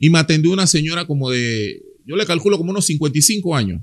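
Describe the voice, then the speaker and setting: A plain, everyday voice with lively intonation. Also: man. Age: 40s. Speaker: podcast host. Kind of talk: panel discussion.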